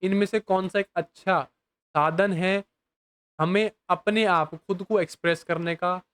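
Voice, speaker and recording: A young man teaching exam questions in a casual, chatty way. He reads each English question slowly, then explains it quickly, calls the viewer "bhai" and keeps asking if they follow. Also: high-pitched, steady tone, a bit bright, smooth. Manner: addresses viewers as bhai, often asks if they understand.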